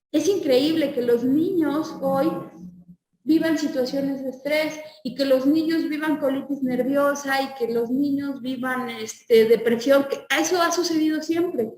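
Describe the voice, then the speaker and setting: High-voiced teacher in an echoey room. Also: female voice, a little mellow, recorded from a distance. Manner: asks the class questions and answers them herself. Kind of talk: online class lecture.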